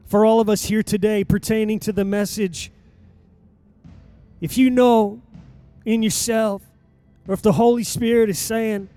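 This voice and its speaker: A pastor preaching a sermon in a church, with emphatic delivery and dramatic pauses. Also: male voice, high-pitched, warm tone. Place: church sanctuary.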